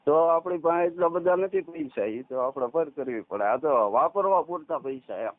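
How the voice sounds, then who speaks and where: A man in his thirties with a Saurashtra Gujarati accent, talking casually as a caller in halting, repeated short phrases. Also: on the high side, animated, no echo. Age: 30s. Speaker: caller, farmer. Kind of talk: casual phone conversation. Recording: tinny, narrowband phone call recording.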